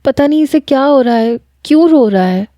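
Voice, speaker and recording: A quiet, withdrawn young widow voiced by a woman reader speaks in soft, hesitant replies. Her tone is dark and mellow, and the recording is dry and close. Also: high voice, expressive, dry recording, pitched above the performer's own voice. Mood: tearful.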